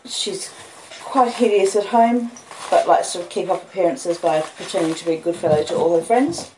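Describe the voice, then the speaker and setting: A woman with an Australian accent chats casually as host of a livestreamed book reading, rambling along with halting pauses. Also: on the low side, darkish tone. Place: front room of a house with street noise. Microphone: phone and an old laptop. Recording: noisy home phone recording. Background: street noise, house creaks, puppy, lo-fi beats.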